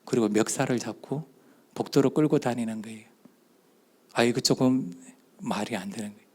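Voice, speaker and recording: A man's voice: mid-range voice, moderate pace, a little mellow. Man with a Gyeongsang accent telling a story. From southeastern Korea. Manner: storytelling, acting out quoted dialogue; speaks in short spoken phrases. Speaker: church elder giving a talk at a youth retreat. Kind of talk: testimony talk.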